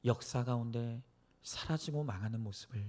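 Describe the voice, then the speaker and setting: A male pastor preaching and praying earnestly to a congregation, exhorting them with phrases that swell from hushed to emphatic. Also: mid-range voice, moderate pace. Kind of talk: sermon and prayer to a church congregation.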